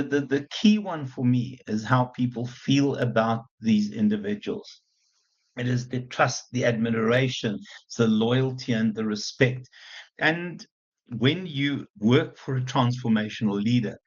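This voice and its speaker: A man from South Africa with an Afrikaans accent, giving a chatty, animated university lecture with lots of repeated restarts. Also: mid-range voice. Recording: muffled lecture recording.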